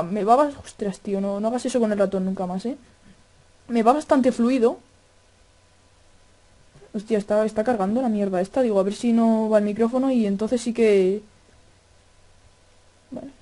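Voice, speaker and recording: A male gaming YouTuber with a Spain Spanish accent and a very high voice does excitable horror let's-play commentary into a desk microphone at his computer. He swears often and yells at the scares.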